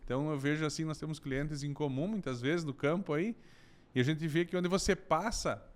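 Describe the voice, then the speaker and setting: A middle-aged man from southern Brazil with a gaúcho accent, a podcast guest telling his story in a relaxed, joking way. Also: on the high side, fairly quick. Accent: Gaúcho Brazilian Portuguese. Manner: warm storytelling, jokey asides. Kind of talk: casual podcast conversation.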